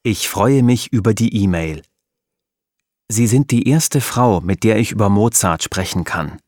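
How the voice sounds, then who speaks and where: A man reading the courteous, enthusiastic messages of a male music lover, slowly and plainly. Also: lowish voice, expressive, darkish tone, no room sound, clean studio sound. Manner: slow, courteous replies.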